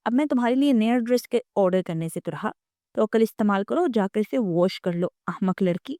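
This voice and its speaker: A woman's voice: mid-range voice, expressive, warm tone, no room sound, studio quality, natural voice. Woman doing a cold, curt young man. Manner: cold, scolding.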